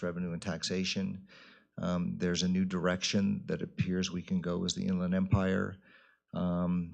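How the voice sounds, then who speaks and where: A man speaking as mayor at a city council meeting, giving informal remarks in a plain-spoken, deliberate way. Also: low-pitched, creaky.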